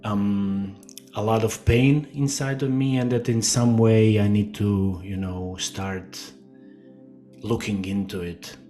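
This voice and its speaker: A middle-aged man from Croatia speaks in a low, flat voice, slowly and haltingly, often pausing on fillers. He sounds like a guest in a casual interview. Soft music plays faintly behind him. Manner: slow and hesitant, many fillers and restarts.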